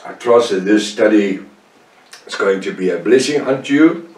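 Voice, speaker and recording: An older South African Bible teacher with an Afrikaans-tinged accent leads a Bible study slowly and deliberately, pausing on fillers and correcting himself. His fairly low, slightly mellow voice has lively intonation, captured roomy and distant in a low-quality recording.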